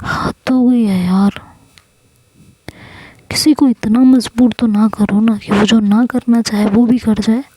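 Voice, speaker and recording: Woman reading an exasperated young woman, pleading, slow, breathy, flat delivery. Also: on the high side, no room sound, rough recording. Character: young woman pushing away a clingy ex, exasperated.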